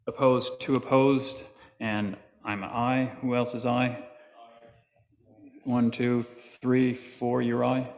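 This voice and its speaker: A man's voice: medium pitch, a little mellow. A man chairing a town planning board meeting, walking through motions and votes in a plain, procedural way. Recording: dull audio in a reverberant meeting hall.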